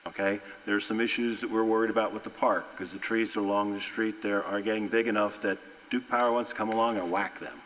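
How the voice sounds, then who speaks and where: A man's voice: lowish voice, fairly even intonation, brisk, few pauses, a bit bright, slight background noise. A man on the town council giving his comments in a folksy, earnest way, often repeating himself. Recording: long reverb of a meeting hall.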